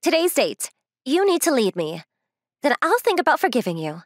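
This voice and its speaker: A woman's voice: high voice, sing-song, moderate pace, dry recording, studio quality. A young woman playing a bossy, confident, secretly lovestruck girlfriend in a manga dub, speaking bluntly. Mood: demanding. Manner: blunt, assertive. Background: music.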